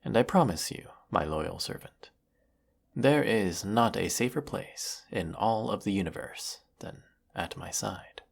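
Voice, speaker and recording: Man acting a deep, gravelly evil emperor. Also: animated, full character voice. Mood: soft, coaxing. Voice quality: gravelly, husky, low. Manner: measured, theatrical, menacing, formal villainous drawl. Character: galactic evil emperor, man, cruel, silky, secretly lonely. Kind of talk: scripted sci-fi audio roleplay monologue.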